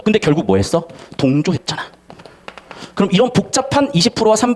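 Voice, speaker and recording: A man's voice: a little high, a little mellow. A man teaching a literature lesson to students, talking bluntly in slang and acting out the characters' lines. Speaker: Korean language and literature tutor. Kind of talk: lively lecture to students.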